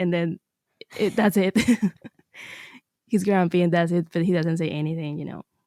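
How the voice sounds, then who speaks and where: With a non-native accent and a dark, mellow tone, a woman speaks at a moderate pace in a fairly low pitch, her intonation fairly even, with long, frequent pauses, in a dry, close sound with no echo. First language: not English. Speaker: manga fan guest. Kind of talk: casual chat.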